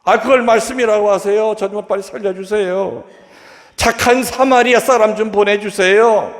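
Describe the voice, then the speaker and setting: A man playing a panicked middle-aged church council president, pleading and shouting frantically. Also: high-pitched, fairly even intonation, normal speed, voice pushed up, lightly acted. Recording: long reverb of a large hall.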